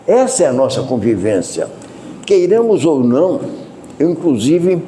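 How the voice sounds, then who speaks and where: Brazilian man, spiritist lecturer, loud unchanging voice, warm mellow tone, chatty asides to the audience. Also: very animated, measured pace, a little hiss or hum. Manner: loud, unchanging speaking voice that he cannot lower; conversational, addresses listeners with asides and questions. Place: spiritist center meeting hall.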